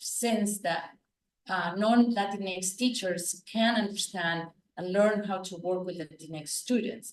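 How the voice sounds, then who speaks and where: With a Uruguayan accent, a woman talks very slowly at a medium pitch, her pitch varying in an ordinary way while her loudness swings widely. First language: Spanish. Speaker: university professor presenting research. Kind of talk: conference presentation. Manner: hesitant, many fillers.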